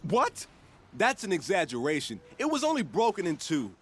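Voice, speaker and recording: An actor playing a defensive, talkative young tribal hunter in a video game, blurting and indignant in manner. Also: male voice, sits high, wildly swooping pitch, normal speed, slightly rough, heavily acted. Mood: indignant, urgent. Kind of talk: video game cutscene acting.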